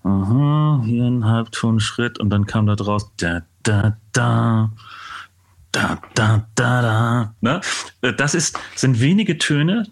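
A man's voice: medium pitch, slow pace. A man talking casually as a composer being interviewed, explaining things demonstratively and acting out his thoughts. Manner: animated explaining, acts out thoughts, hums motifs. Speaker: composer, podcast guest.

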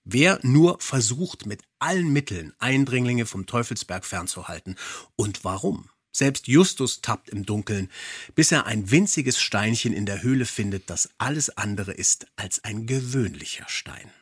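Husky man hosting a podcast. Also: medium pitch, lively intonation, measured pace, dry recording, studio quality. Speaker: podcast co-host. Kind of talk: casual podcast chat and scripted read-outs.

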